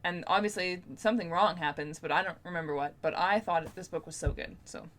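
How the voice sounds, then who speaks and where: A woman's voice: on the low side, fairly quick, fairly bright tone. A young woman chatting casually to camera as a book vlogger, in an informal, rambling, playfully self-deprecating way. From Canada.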